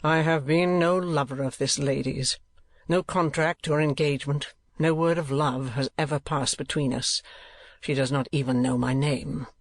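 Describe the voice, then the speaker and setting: A man voicing an honourable, indignant young gentleman in an audiobook, stern with restrained anger. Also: fairly high pitch, fairly even intonation, normal speed, no echo, close to an everyday voice. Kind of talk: dramatised audiobook reading.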